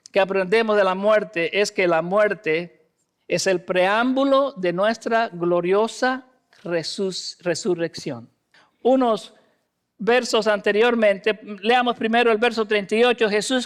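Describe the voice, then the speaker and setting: A man preaching a sermon as a pastor. He reads scripture, acts out the people in the story and moves between loud emphasis and hushed lines, with English fillers dropped into his speech. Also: high-pitched, measured pace, smooth. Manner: acts out the voices of the people in the text.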